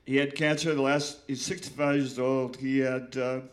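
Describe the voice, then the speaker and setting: An older man from Oregon reading his poems aloud, halting and emotional, repeating himself and swearing between stanzas. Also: mid-range voice, little pitch movement. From Willamette Valley, Oregon. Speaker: poet reading his work. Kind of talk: poetry reading with spoken asides.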